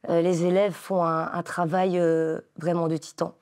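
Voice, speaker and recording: A woman's voice: fairly low pitch, flat delivery, normal speed, a little mellow. A woman in her forties, a dance teacher, answering interview questions enthusiastically with many hesitations and fillers. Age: 40s.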